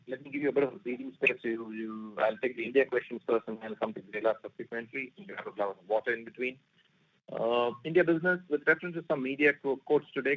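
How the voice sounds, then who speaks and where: A man moderating an earnings call as a company executive, reading questions and answering them in a measured, formal way. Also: mid-range voice. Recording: tinny phone-like conference line.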